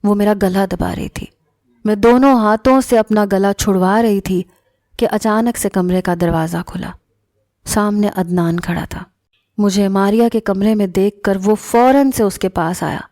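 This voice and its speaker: A woman narrating a first-person story in a calm, measured storytelling manner. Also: medium pitch, no room sound, clean studio sound. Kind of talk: scripted narration.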